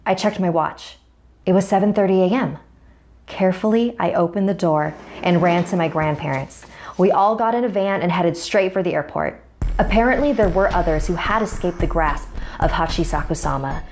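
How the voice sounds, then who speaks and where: Woman narrator, fairly low voice, measured suspenseful storytelling, music underneath. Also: a little mellow. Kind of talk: scripted first-person horror narration. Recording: music bed under voice-over.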